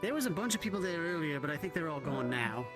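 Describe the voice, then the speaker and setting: A woman's voice: low voice, sing-song, fast talker, faint music behind. A woman making casual, improvised roleplay conversation. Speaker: roleplayer in a virtual-reality game.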